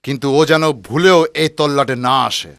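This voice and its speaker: A man's voice: medium pitch, a little fast, a bit bright, no room sound, close to an everyday voice. A man voicing a stern, suspicious landlord who questions and commands bossily in a comic cartoon. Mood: stern, commanding. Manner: interrogating, commanding. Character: stern, suspicious village landlord, demanding and bossy. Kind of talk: dubbed comic cartoon dialogue.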